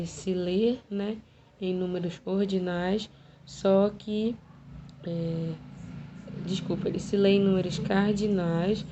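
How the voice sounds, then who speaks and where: Hoarse woman teacher with a cold. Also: lowish voice, a little hiss or hum. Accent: Brazilian Portuguese. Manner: quiet, hesitant, many fillers. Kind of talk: online math lesson. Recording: dull lo-fi home video recording.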